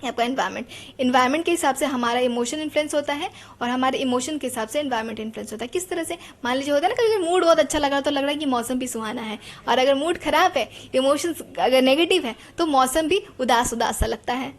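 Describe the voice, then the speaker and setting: High-voiced chatty woman teacher. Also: fast talker. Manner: chatty, asks the class rhetorical questions. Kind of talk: explaining a psychology lesson.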